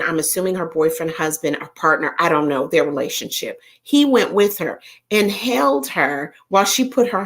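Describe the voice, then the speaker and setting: Animated Southern woman telling stories. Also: lowish voice. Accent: Southern American. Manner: animated storyteller, talks straight to viewers, frequent fillers. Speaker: livestream host chatting with viewers. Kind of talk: casual chat.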